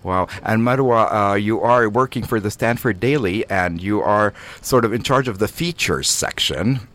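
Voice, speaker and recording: A man's voice: fairly low pitch, normal speed, fairly bright tone. A middle-aged man hosting a live radio interview, full of fillers, restarts and hesitations. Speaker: radio show host.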